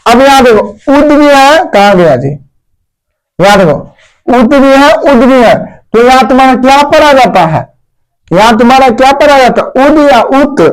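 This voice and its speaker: In poor audio, a man with a very high-pitched voice teaches grammar at a board. He repeats key words, quizzes his pupils, and calls them "मेरे प्यारे बच्चों".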